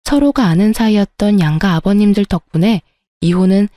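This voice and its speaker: Brief: calm woman storyteller, mellow and dry. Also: mid-range voice, a little fast, no echo. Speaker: narrator. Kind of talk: storytelling narration.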